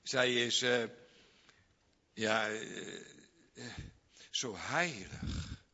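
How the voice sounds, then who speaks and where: A man preaching a sermon slowly and emphatically, repeating phrases and swinging from loud high outbursts to quiet low asides. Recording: dull lo-fi recording in a reverberant hall.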